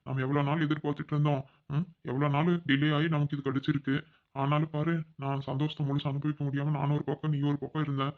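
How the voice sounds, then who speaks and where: A man's voice: on the high side, level tone, fast, phone-quality sound, natural voice. A man voicing a young husband back from abroad in a cartoon, tenderly soothing his tearful wife. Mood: doting, soothing. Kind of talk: cartoon voice acting.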